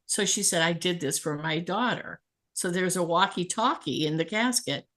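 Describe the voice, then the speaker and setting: Woman telling an animated, lower-pitched anecdote. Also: normal speed. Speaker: spiritual healer and guest. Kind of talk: casual storytelling on a talk show.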